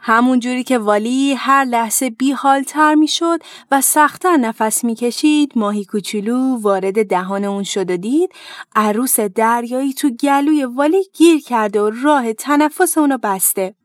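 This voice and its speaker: A woman hosting a children's program, gently narrating a storybook tale and speaking to parents. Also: on the high side, no echo, clean studio sound.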